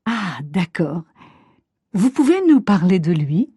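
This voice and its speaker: A woman plays a friendly show host for language learners, asking simple questions. Her tone is mellow and warm, mid-pitched, and recorded dry and close. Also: sing-song, slow, breathy edge, dry recording. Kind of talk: scripted slow-paced learner dialogue.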